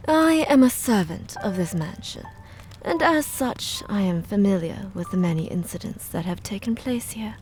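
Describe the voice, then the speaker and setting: A woman playing a pale, eerie, courteous maid in an audio drama, with formal, archaic, measured speech. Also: medium pitch, expressive, darkish tone, slight background noise, lightly acted, poor audio. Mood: composed, enigmatic. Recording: music behind the voice.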